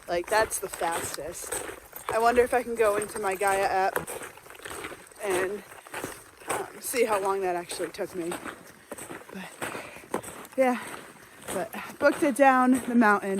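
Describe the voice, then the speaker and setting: A woman's voice: mid-range voice, noisy background. A woman hiking vlogger talking casually to camera while trudging along a snowy winter trail outdoors.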